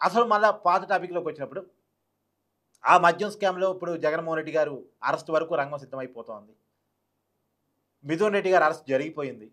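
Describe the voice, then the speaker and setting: Male commentator, slightly high voice, very quick emphatic delivery, opinionated online political talk. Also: fairly bright tone. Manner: emphatic, repeats phrases and poses rhetorical questions.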